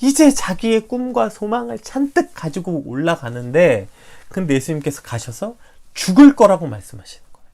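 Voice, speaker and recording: A preacher giving a livestreamed morning devotional sermon, animated, asking the listeners questions and acting out quoted prayers. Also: medium pitch, moderate pace.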